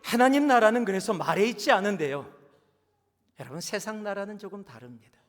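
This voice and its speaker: A male pastor preaching a sermon emphatically, slowing down and dropping to a whisper for emphasis. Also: sits high, expressive. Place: church sanctuary. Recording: long church hall reverb.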